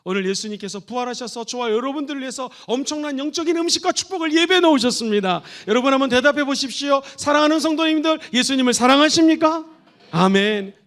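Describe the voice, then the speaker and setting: A male pastor preaches with real fervor in a church sanctuary. His voice sits very high for a man, and he climbs into shouted calls to the congregation. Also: lively intonation, fast. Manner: fervent preaching, rising to shouted exhortations. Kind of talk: Easter sermon.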